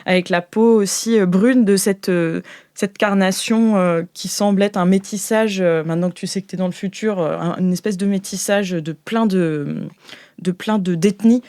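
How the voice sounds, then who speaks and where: Female game master, mid-range voice, improvised roleplay narration, halting delivery that searches for words, very dry close sound. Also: mid-range voice, dark tone, no echo.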